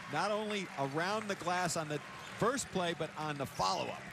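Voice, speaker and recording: A high-pitched man at a fairly quick pace, ordinary pitch variation, dry sound with no echo, and loud background noise. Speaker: sports commentator. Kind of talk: live commentary. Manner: animated; fast-paced play-by-play.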